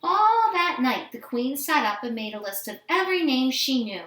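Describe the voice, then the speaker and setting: A woman reading a fairy tale aloud to children in an expressive storytelling style. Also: high-pitched, normal speed. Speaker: storybook reader. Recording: roomy indoor echo.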